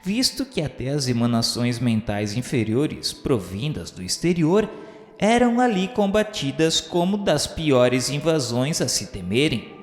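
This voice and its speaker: A Brazilian man narrating a radio drama in a formal, literary style, measured and solemn. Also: medium pitch, sing-song, soft background music. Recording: roomy echo with long reverb.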